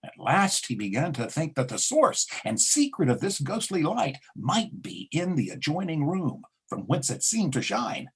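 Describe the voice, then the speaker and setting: A man plays a theatrical narrator of a ghostly storybook tale. His voice is very rough and husky, slightly high, and swings widely in pitch for drama. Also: wildly swooping pitch, normal speed, few pauses, fairly bright tone, full character voice. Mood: dramatic.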